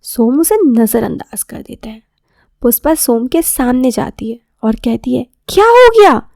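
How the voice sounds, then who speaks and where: A woman tells a scripted romantic story in a very high voice with a creaky edge. Her tone is mellow, and she is recorded close and dry over music. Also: measured pace, no room sound. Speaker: storyteller, podcast host.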